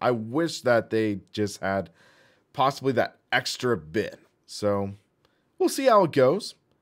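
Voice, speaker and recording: Long, frequent pauses break up a man's very slow speech at medium pitch. The recording is very clean, with a silent background. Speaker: sim racing streamer. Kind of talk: live gameplay commentary. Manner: casual, conversational.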